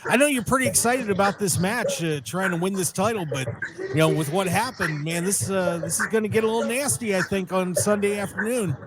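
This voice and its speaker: A man's voice: high-pitched, a little fast, noisy background. A man hosting a radio interview outdoors by a pool, asking friendly questions with lots of uh and you know. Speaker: radio show host. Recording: outdoor poolside with loud music behind.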